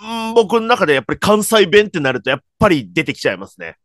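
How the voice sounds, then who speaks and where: Fast-talking, lively man on a podcast. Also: high voice, no echo, studio quality. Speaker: podcast co-host, comedian. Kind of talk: casual chat about anime characters.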